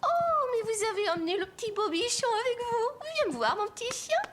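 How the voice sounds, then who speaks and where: An actress playing a friendly, doting old lady in a children's cartoon, sweet, coaxing and expressive. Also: very high voice, a little fast, noisy background. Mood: delighted. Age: older.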